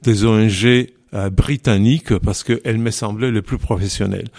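Older Italian-native man, low voice, hesitant guest. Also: fairly even intonation, moderate pace, darkish tone. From Italy. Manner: hesitant, many restarts and fillers. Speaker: interview guest. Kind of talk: conversational radio interview. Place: large meeting hall of an office building.

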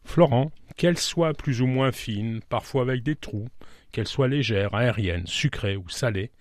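A man presenting a radio programme, reading a scripted introduction and then putting questions to a guest in a measured, clear way. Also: mid-range voice, no room sound. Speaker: radio host.

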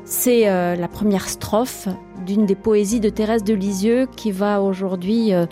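A woman with a mellow voice hosts a radio interview, asking her questions gently and with some hesitation. Faint music plays softly behind her. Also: medium pitch, fairly even intonation, unhurried. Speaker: radio host.

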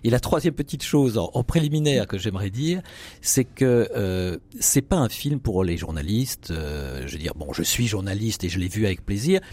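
A man's voice: lowish voice, animated, moderate pace, darkish tone. A man reviewing a film on air, hesitant, with many restarts and fillers. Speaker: cultural commentator.

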